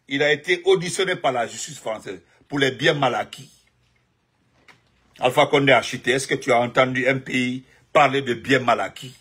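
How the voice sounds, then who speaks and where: A man's voice: mid-range voice, pushed and bright, slightly rough. A man doing rambling live political commentary. He talks emphatically, repeats himself, and breaks off to greet viewers by name. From Guinea. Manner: emphatic, repetitive, jumps between topics and greetings.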